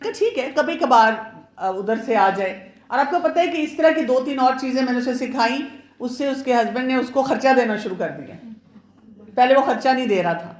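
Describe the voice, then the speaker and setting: A woman pediatrician with a high-pitched, darkish voice gives women an informal marriage awareness lecture, chatty and full of advice. She mixes in English words, and the recording has a roomy echo.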